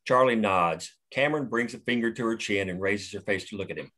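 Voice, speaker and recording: Man reading stage directions, low voice. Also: brisk. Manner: plain, steady reading. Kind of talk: table read of a screenplay.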